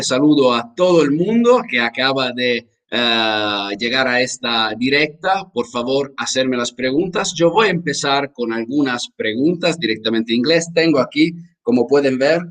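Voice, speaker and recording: A man teaching a live-streamed language lesson, talking straight to viewers in the chat in an animated way. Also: medium pitch. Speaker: online English teacher.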